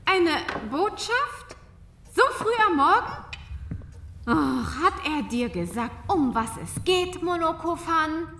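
A woman's voice: very high voice, sing-song, takes it slowly, sharp tone, reverberant, a little hiss or hum, heavily acted. A woman playing a flighty, imperious countess in an audio drama, hesitant, haughty and dramatic. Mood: surprised. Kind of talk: German audio drama acting.

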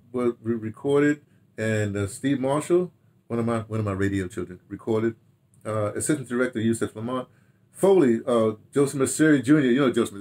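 Sitting in a furnished room at home, a former radio drama director and producer in his 60s or 70s looks back on his career. His mid-range voice has a darkish tone, and he rambles casually to camera, repeating phrases as though half talking to himself.

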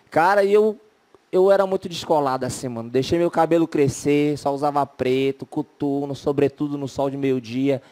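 A man's voice: on the high side, mellow. A young man doing a self-mocking stand-up set on a talent show, chatty and full of little tag questions. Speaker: stand-up comedian contestant.

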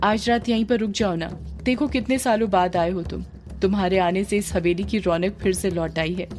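A woman narrator voicing a caring older aunt who pleads softly. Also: medium pitch, normal speed, faint music behind, close to an everyday voice. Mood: pleading.

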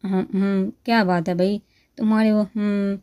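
A woman's voice: mid-range voice, level tone, warm tone, clear, resonant tone, natural voice. Woman reading as a teasing young sister-in-law.

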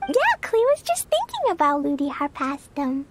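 A woman's voice: high-pitched, huge pitch swings, normal speed, over loud music. A woman voicing an innocent, earnest little girl in a video game, with a cutesy childlike voice and naive manner. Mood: delighted. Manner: naive, speaks of herself by name.

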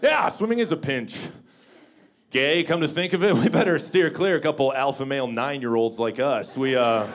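A deep-voiced Canadian man in his thirties performs stand-up into a handheld mic on a small comedy club stage before a seated audience. At a moderate pace he delivers wry, self-mocking material, breaking into bursts of mock bluster.

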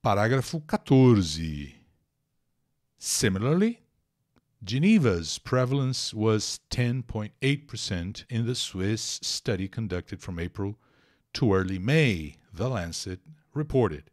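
This English teacher has a Brazilian accent and a fairly low, darkish voice; he's very animated but takes it slowly. During a live online lesson he reads a passage aloud, translates it and covers pronunciation, talking directly and chattily to viewers.

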